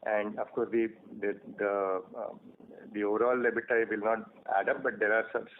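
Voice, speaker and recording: An Indian-accented man, a company executive answering questions on an earnings call in a halting, measured way. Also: lowish voice, flat delivery. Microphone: phone line. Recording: noisy, tinny phone conference line.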